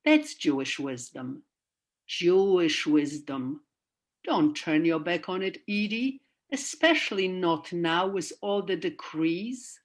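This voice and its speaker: A woman's voice: fairly low pitch, takes it slowly. A woman playing a devout, reproachful elderly Jewish mother in a radio play, pleading and admonishing emphatically. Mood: earnest admonishing.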